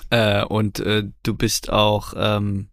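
A man's voice: lowish voice, completely flat delivery, a bit bright, no echo. Teasing man, dry close sound. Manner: playful, teasing, quick asides. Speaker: podcast co-host. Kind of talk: casual podcast interview.

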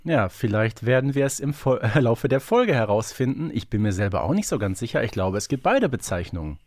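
Man, podcast co-host, medium pitch, highly animated, colloquial, dry recording. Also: brisk, no room sound. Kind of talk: casual fan podcast chat.

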